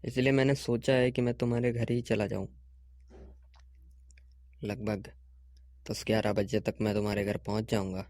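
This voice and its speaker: An actor playing a friendly young man who speaks in a calm, reassuring way. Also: on the low side, normal speed, pauses often, dry recording, close to an everyday voice.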